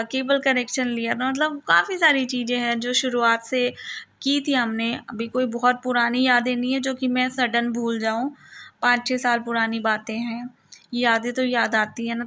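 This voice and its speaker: Chatty woman narrating a home vlog. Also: a little high. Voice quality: chatty, conversational, frequent tag questions. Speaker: vlogger and mother.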